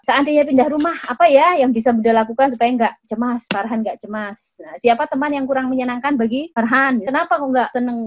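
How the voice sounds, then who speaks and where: A woman hosting a parenting advice talk, lively and acting out parent and child lines in animated voices. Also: fairly high pitch.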